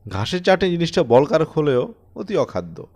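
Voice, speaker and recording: Man narrating with lively intonation. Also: on the high side, moderate pace. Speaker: audiobook narrator. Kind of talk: expressive story narration.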